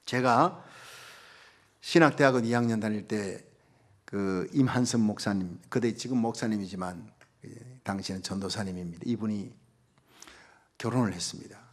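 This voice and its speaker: A middle-aged male pastor giving a sermon, telling a story in a hushed voice and rising to loud, fervent preaching. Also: on the low side, normal speed, pauses often.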